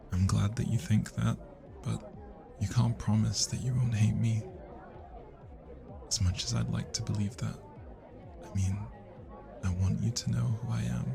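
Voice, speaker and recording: Shy, smitten British student, played by a man, low and gravelly, soft hesitant ASMR delivery with party music behind. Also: steady tone, measured pace, long pauses. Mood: anxious. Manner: soft, hesitant, breathy sighs and whispers. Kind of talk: intimate roleplay ASMR acting. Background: party music and crowd chatter.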